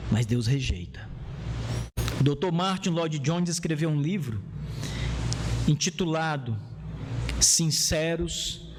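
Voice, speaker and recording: A man's voice: fairly high pitch, lively intonation, slow pace, pauses often, background noise. A Brazilian man preaching as a pastor, explaining scripture and exhorting in an emphatic, repetitive manner.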